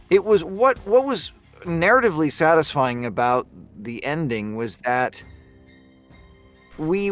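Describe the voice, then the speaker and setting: A man talking casually and thoughtfully as a podcast panelist, feeling his way through his phrases. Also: a little high. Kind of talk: casual group discussion of a story.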